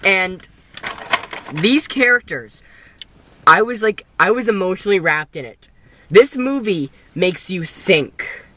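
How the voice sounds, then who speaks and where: A young man co-hosting a casual film review, blunt and profane, talking in an animated way. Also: high voice, a little hiss or hum.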